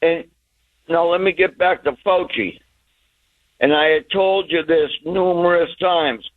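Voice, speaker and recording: A man's voice: a little high, steady tone, measured pace. A man in his sixties calling in to a radio show over the phone, ranting heatedly. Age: 60s. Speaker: caller. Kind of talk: call-in radio rant. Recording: tinny phone line.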